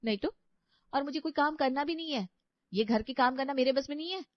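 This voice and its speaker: A woman's voice: sits high, fairly quick, no room sound, natural voice. A woman voicing a spoiled, haughty young bride in a cartoon story who is rude and sarcastic to her mother-in-law. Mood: dismissive. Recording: dry, slightly dull audio.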